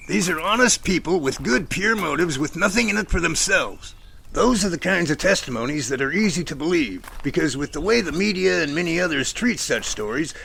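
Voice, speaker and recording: A man's voice: fairly high pitch, creaky, sharp tone, a little hiss or hum, heavily acted. A man playing an opinionated friend who reasons at length and argues his points in an audio drama. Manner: explanatory, argumentative, long reasoned speeches. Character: opinionated, reasoning male friend debating strange phenomena.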